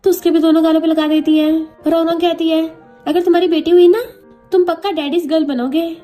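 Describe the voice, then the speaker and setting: High-voiced woman retelling a drama. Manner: lively, voices every character in the same voice. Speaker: drama recap narrator. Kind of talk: casual storytelling recap.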